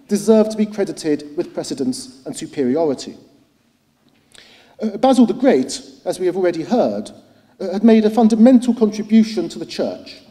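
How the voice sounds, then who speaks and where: A middle-aged man giving a formal lecture as a historian. He speaks in a measured, articulate way with frequent hesitant "uh"s. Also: high voice, mellow. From United Kingdom. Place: lecture hall at a cultural centre. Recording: long reverb of a large hall.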